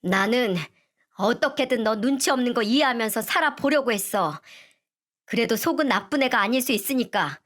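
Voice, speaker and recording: A woman's voice: fairly high pitch, lively intonation, moderate pace, a bit bright. A woman voicing a firm young lawyer son. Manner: firm, blunt.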